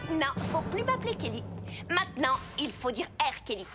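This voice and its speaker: A woman's voice: high voice, moderate pace, over music. A woman playing a bossy, sarcastic young sister who wants to be a superhero, in a French cartoon dub. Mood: excited. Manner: sarcastic, emphatic, excitable.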